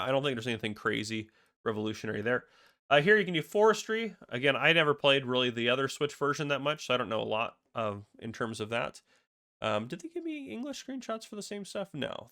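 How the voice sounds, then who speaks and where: A raspy man with a head cold, talking quickly in a casual, rambling way as he walks through game screenshots. His voice has a gravelly fry and a bright, forceful edge, and he thinks out loud with plenty of "um"s. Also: mid-range voice. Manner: rambling, filler-heavy, thinking aloud. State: fighting a cold. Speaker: gaming video host. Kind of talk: casual commentary over screenshots.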